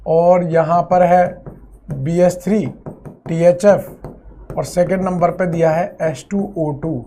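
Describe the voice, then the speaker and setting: High-voiced man teaching chemistry. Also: darkish tone, a little hiss or hum. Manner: repeats phrases, drills students, calls them friend. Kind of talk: classroom lecture at a board.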